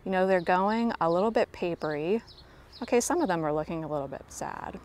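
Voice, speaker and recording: Animated and fairly quick, this woman's lowish voice has a darkish tone as she casually tours her home garden outdoors. The garden vlogger holds a phone camera and stays off screen. She chats with viewers like friends and pokes fun at herself.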